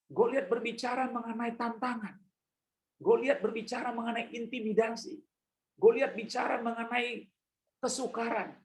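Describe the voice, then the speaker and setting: A man's voice: very high voice, rough recording. A male pastor preaching a sermon in church, emphatic and repetitive, addressing the congregation directly.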